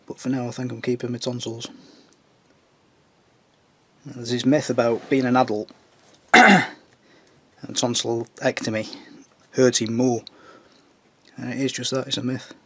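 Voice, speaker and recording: A Northern English man with a husky, strained voice, recovering from tonsillitis, chatting casually as he paints a scale model. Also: mid-range voice, fairly even intonation, measured pace, long pauses, sharp tone, slight background noise. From Northern England. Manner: chatty, jokey asides while working.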